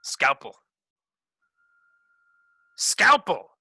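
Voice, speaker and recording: A man's voice: drawn-out words, bright, forceful tone, no room sound, full character voice. A man playing a flustered, self-important doctor in a comedy sketch reading, grave and melodramatic. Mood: bossy urgency. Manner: hesitant stammer turning to bossy, melodramatic gravity. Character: flustered, self-important male doctor who operates on scripts.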